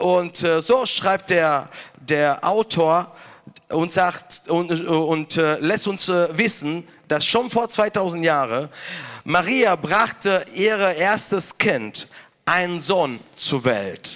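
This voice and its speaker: Over background music, a high-pitched man speaks very slowly with lively intonation and very even loudness. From Italy. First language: Italian (speaking German). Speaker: pastor. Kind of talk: sermon. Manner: halting.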